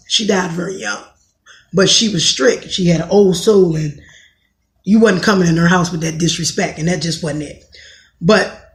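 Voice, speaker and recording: A woman in her thirties from Washington, D.C., with a raspy voice, talking bluntly in a rambling podcast monologue and often correcting herself. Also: mid-range voice, reverberant. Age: 30s. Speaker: podcast host. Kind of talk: casual monologue commentary.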